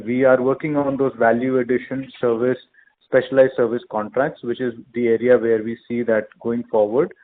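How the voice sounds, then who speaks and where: A man with an Indian accent answering questions as a company executive on an earnings call, in a measured, hesitant, formal corporate way. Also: medium pitch. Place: conference call. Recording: narrow phone line with clear noise.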